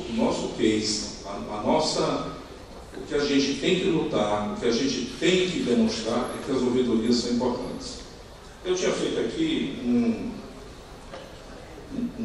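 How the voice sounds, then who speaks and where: A conference speaker, a middle-aged man with a Brazilian accent, talks from a lectern indoors in a semi-improvised but formal manner, halting and doubling back on words as he gropes for phrasing. The pitch is fairly low and the tone darkish. Expect an echoey hall, a far-off microphone, and faint noise.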